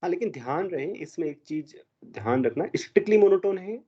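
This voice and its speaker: A man's voice: a little high, expressive, a little fast, warm tone, slightly rough. Man teaching math in a dull, lo-fi recording. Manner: mixes Hindi with English math terms, quizzes students. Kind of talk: exam problem lecture.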